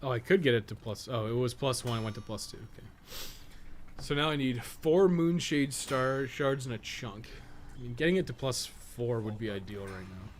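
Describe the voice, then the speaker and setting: A man chatting casually as a livestreamer, blunt and opinionated, thinking out loud as he goes. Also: mid-range voice, normal speed, slight background noise. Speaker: live streamer and podcast co-host. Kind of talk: casual livestream chat and gameplay commentary.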